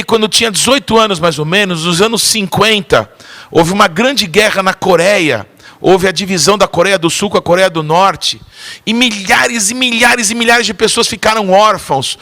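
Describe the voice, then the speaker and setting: A male pastor preaches a sermon and tells a story, pausing often to call for audience responses. His voice is high for a man and bright and forceful.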